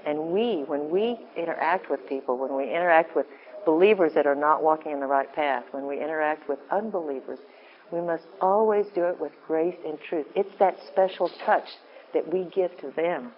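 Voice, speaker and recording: A woman with a deep voice giving an informal, earnest talk to a women's group, often breaking off and restarting. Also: normal speed, muffled recording, slight background noise. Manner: rambling, self-interrupting, earnest. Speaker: women's ministry speaker.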